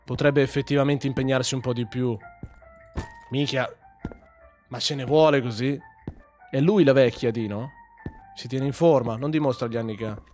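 Man, gaming host, jokey let's-play commentary, swears, yelps at scares, mid pitch. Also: steady tone, normal speed, pauses often, faint music behind. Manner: joking, swears, yells when startled.

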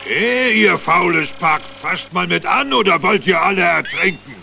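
A man voicing a blustering, hot-tempered elephant in a cartoon radio play, gruff and commanding. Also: high voice, expressive, unhurried, pushed and bright, slight background noise, heavily acted. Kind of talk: animated film radio play dialogue.

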